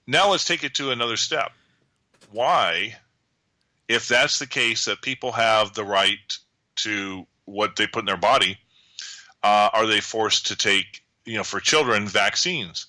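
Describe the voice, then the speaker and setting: A man's voice: lowish voice, unhurried, bright, forceful tone, dry recording, poor audio. A man in a heated political discussion who talks insistently, repeating phrases to hold the floor. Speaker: guest commentator.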